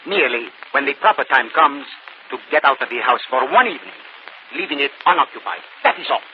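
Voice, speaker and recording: A man's voice: medium pitch, expressive, fast, natural voice. A man playing a grandiose old stage magician. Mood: grand. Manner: grand, theatrical, stilted phrasing. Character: showy, mysterious aging stage magician with foreign-styled speech. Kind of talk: 1940s radio acting. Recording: dull old radio recording with faint hiss.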